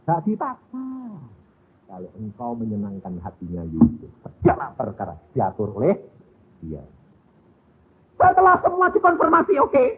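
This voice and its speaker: A man's voice: medium pitch, wildly swooping pitch, moderate pace, husky. A middle-aged man, preaching a sermon as a folksy storyteller who acts out family dialogue. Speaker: pastor. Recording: lo-fi phone-like audio.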